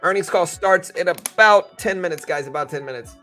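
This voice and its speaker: A man's voice: sits high, moderate pace, bright, forceful tone, soft background music. A man hosting a livestream, giving casual, conversational market commentary and explaining things informally to viewers. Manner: informal, conversational, explanatory, hedging both sides. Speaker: livestream host and stock trading commentator.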